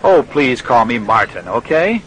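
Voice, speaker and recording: An actor playing a friendly radio reporter in a scripted language-lesson dialogue, speaking clearly and patiently. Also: male voice, medium pitch, very animated, a little slow, fairly bright tone, rough recording. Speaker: interviewer.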